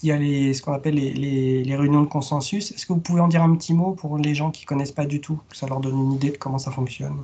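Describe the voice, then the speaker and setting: A man hosting a webinar, his voice a touch higher than most. He asks questions and rallies listeners in an upbeat, encouraging way, using frequent fillers. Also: steady tone, fast talker, few pauses, warm tone. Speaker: webinar moderator. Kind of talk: moderating a webinar.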